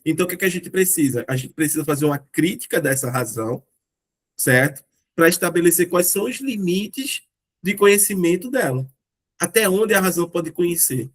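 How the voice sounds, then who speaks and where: A Brazilian man with a Brazilian Portuguese accent hosts a relaxed philosophy discussion group, speaking a little high for a man and a little fast. He explains ideas patiently, poses rhetorical questions, and often adds "né" to check for agreement.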